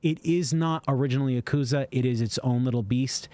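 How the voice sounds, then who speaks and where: A man's voice: mid-range voice, a little fast, dark tone, no echo. Rambling man reading viewer questions. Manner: rambling, reads super chats aloud with fillers. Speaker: co-host answering viewer questions. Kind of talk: casual livestream chat. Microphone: studio microphone.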